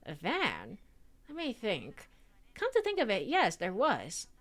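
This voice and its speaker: A woman voicing a chatty older noodle-shop proprietress in a put-on grandma voice, slow and fussy. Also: mid-range voice, wildly swooping pitch, heavily acted.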